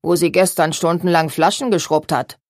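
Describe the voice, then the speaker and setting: A woman's voice: low voice, steady tone, normal speed, no room sound, studio quality, natural voice. A woman reading a sly, mocking seamstress. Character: spiteful seamstress with a sharp tongue.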